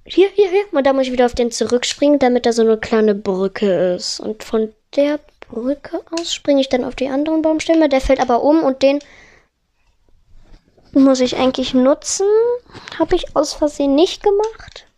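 A woman on a headset mic giving excitable let's play commentary, narrating every move and swearing when she fails. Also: high-pitched, normal speed. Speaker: gamer.

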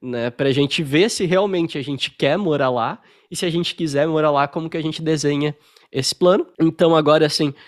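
A young Brazilian man with a Brazilian Portuguese accent, a podcast guest telling his story in casual interview chat over a video call, relaxed and full of fillers. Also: a little high, normal speed.

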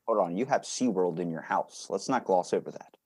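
A man's voice: deep voice, fairly quick, a little mellow, husky. Casual, joking man hosting a podcast. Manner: sweary, joking, teasing. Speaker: podcast host. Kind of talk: casual interview chat.

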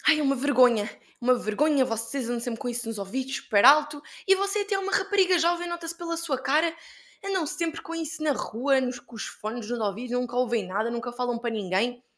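A young woman putting on a grumpy older lady scolding a stranger on the street, nagging and indignant. The voice sits a little high and runs on in an exasperated stream, with no break in her complaint. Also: fast talker, fairly bright tone, close to an everyday voice.

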